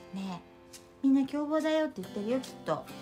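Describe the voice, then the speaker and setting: Clear music runs behind a woman speaking at a high pitch with lively intonation. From Japan. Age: 50s. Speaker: YouTuber living alone who does handmade crafts and room tours. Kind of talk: casual talk to camera, vlog. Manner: fussing over and talking to her cat, yelping in pain, mildly exasperated and affectionate. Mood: pained laughing, flustered. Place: home room. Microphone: phone near.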